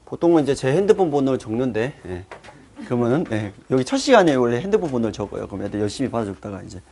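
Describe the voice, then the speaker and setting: A male math teacher giving a lively lesson to fellow teachers, acting out his students' reactions. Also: medium pitch, racing, a little hiss or hum. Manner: lively, acts out students' voices. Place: classroom.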